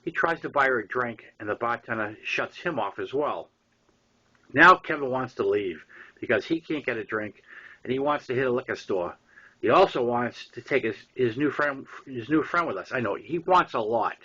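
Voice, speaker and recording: A man with a Boston accent reading his own story aloud in an informal way, with halting, emphatic repeats and wry asides. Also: mid-range voice, expressive, bright, forceful tone, slightly rough. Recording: dull lo-fi audio.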